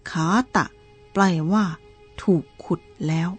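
A woman reading a Buddhist novel aloud in a calm, measured storytelling manner, with soft music behind her. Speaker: narrator.

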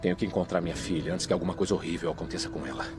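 Man acting as deep-voiced, weary, bitter detective father. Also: fairly even intonation, very fast, loud music behind the voice, close to an everyday voice. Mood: anguished, determined. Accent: Brazilian. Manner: gruff, cynical, sarcastic. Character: weary, bitter detective father hunting for his kidnapped daughter. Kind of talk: dramatic video game voice acting.

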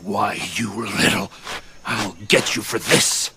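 A man's voice: on the low side, steady tone, slow pace, a little hiss or hum, heavily acted. A man voicing a proud, short-tempered black panther in a dubbed cartoon, taunting and theatrical. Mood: irritated. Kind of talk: English-dubbed cartoon acting. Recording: loud music behind the voice.

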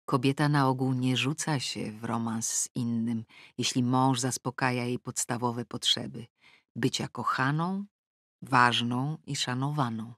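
A woman reading a novel aloud in the first person. She moves between sharp, scornful asides and a calm, measured advice-column voice. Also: rumbling low, no echo, studio quality. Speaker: audiobook narrator. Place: recording booth. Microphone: studio microphone.

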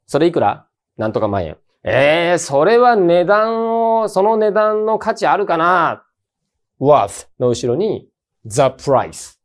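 Man, English teacher, casual exam-prep lecture, very animated pitch, emphatic, colloquial.

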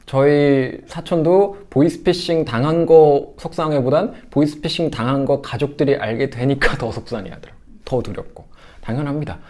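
A man giving a lecture to parents as a sex education instructor, talking in an animated way and often acting out quoted lines. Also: medium pitch, normal speed, few pauses.

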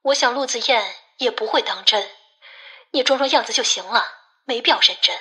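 A woman's voice: on the high side, a little fast, pushed and bright. A woman playing a cautious, shrewd woman who questions and advises with control in an audiobook drama. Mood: cautious advising. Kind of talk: audiobook dialogue acting.

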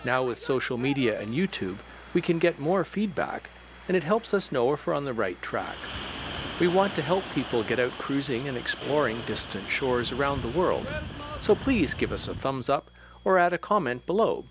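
Male narrator for a sailing series. Animated intonation, mid-range pitch, noticeable ambient noise. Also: moderate pace, rough recording. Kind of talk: scripted documentary narration.

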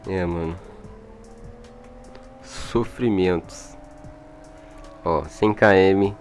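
Deep-voiced Brazilian man commenting on gameplay. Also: brisk. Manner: informal, slangy, chatty. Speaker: gaming video creator. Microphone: old microphone. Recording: music behind, old microphone.

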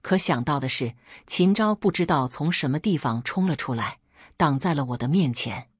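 A woman reads a first-person story in an even, measured way. Her voice is low and slightly husky, and the recording is close and dry. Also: dry recording. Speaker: narrator.

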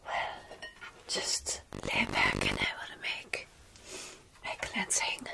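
A woman in her thirties whispering slowly and soothingly in an ASMR roleplay, playing a caring, centuries-old vampire close to the microphone. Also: a bass voice, monotone, gravelly. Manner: soothing, hushing, slow and deliberate.

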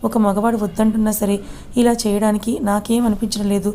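A woman's voice: mid-range voice, level tone, a little fast, warm tone, slight background noise, lightly acted. Woman reading as an angry young man. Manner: angry, blunt scolding. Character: young man, hot-tempered and troubled. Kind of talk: story read aloud.

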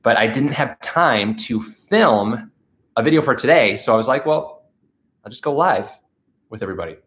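A man's voice: mid-range voice, animated, moderate pace, a bit bright. A man in his thirties, stuffed up from allergies, chatting casually with viewers on a livestream from his living room. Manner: chatty, upbeat, reads out viewer messages. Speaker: channel host. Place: living room with a couch, indoors. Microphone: camera facing him at close range.

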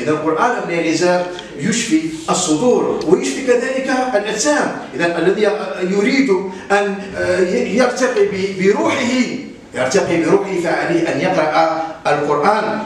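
A man with a high voice teaches a recitation lesson. He speaks patiently and draws words out slowly so pupils can follow. He was recorded from a distance in a very echoey room, with faint hiss behind him.

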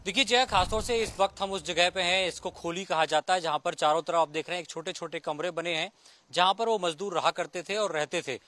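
A man field reporter with a high, bright voice, speaking outdoors into a handheld mic. He walks viewers through the scene and leans into its emotion as he talks. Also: brisk. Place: outdoors at a disaster site.

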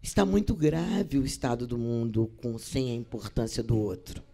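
A woman's voice: very deep voice, moderate pace. A middle-aged Brazilian woman, an actress and poet, telling stories to theater students and acting out the voices in each exchange. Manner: acts out dialogue with shifting voices, expressive and theatrical. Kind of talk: lively storytelling talk.

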